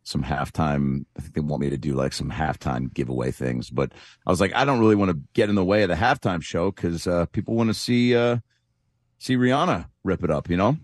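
A man's voice: sits low, expressive, a little fast, no echo, clean studio sound. A man who is a comedian, chatting as a guest and telling rambling, self-deprecating stories full of fillers. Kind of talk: casual anecdotal chat.

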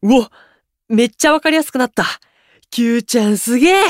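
A man's voice: very high voice, a little fast, no room sound. Boyish young male idol: impulsive, exuberant, slangy, straightforward, close dry studio sound for audio drama. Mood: cheerful, excited. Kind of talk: anime-style audio drama acting.

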